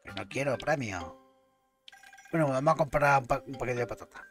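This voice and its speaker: A man's voice: medium pitch, expressive, a little fast, a bit bright, soft background music. A man casually commentating a game, chatting to himself and swearing now and then. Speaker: gameplay commentator.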